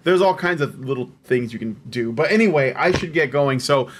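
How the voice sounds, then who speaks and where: A man hosting a podcast, relaxed and rambling in casual chat. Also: medium pitch, moderate pace, a little hiss or hum. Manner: relaxed, rambling, many fillers. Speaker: podcast host.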